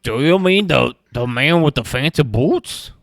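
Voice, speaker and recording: A man's voice: fairly high pitch, lively intonation, a little slow, gravelly, fairly bright tone, no echo, raised voice, studio quality, full character voice. A man voicing a sly, over-friendly dire wolf in a tabletop game, with an eager, beckoning manner. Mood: curious.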